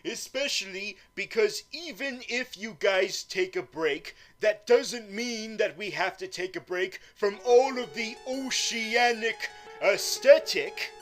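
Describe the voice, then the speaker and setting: A man's voice: sits high, takes it slowly, a bit bright. A man voicing a nervous, lesser-known supervillain interviewer who stammers, repeats words and rambles. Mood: rambling. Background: background music.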